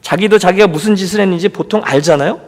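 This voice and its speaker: A man's voice: high-pitched, quick pace. A male pastor giving a Sunday sermon, telling a story and voicing the people in it. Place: church sanctuary. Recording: long reverb of a church hall.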